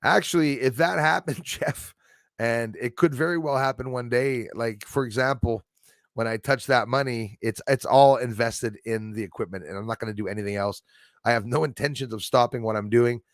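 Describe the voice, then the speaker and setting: A man with a mid-range voice hosts a livestream, chatting casually at normal speed. He's enthusiastic and rambling, talking to his viewers like they're his buddies. The recording has no room sound.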